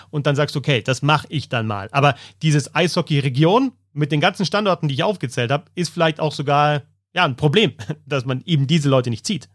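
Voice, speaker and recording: Higher-voiced man. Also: dry recording, clean studio sound. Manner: lists examples, thinks aloud with fillers. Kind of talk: casual sports chat.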